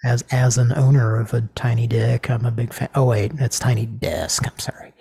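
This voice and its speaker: A man hosting a casual comedy talk show, rambling with deadpan crude jokes. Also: mid-range voice, moderate pace, gravelly, husky, dry recording. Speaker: host.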